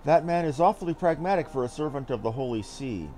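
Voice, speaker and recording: A man's voice: medium pitch, expressive, fast, dark tone, faint music behind. A man streaming a game, reading its dialogue aloud theatrically and adding casual, offhand commentary. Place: game stream with music behind the voice.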